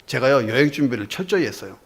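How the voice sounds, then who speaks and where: A man's voice: medium pitch, animated, fast talker, lightly acted. A man voicing a complacent rich traveler who keeps brushing off warnings in a breezy, reassuring way, told as a story in a sermon. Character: complacent rich old traveler, cheerfully stubborn.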